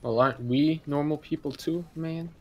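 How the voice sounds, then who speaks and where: A man's voice: a little high, moderate pace. A man playing a tabletop roleplay game, bantering casually in slangy, joking language.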